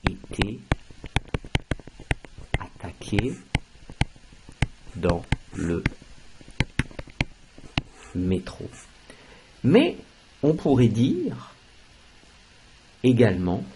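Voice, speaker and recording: A man with a mid-range, slightly rough voice teaches a French grammar lesson, explaining slowly, stressing key words, and switching to English for translations. The audio quality is poor.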